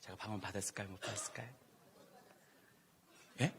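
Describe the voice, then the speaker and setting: A middle-aged man preaching a sermon as a pastor, telling a personal story with a loud voice, swinging between loud exclamations and hushed asides. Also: fairly low pitch, brisk, gravelly, a little hiss or hum. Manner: animated, swings from loud to hushed, laughing at himself. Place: church sanctuary.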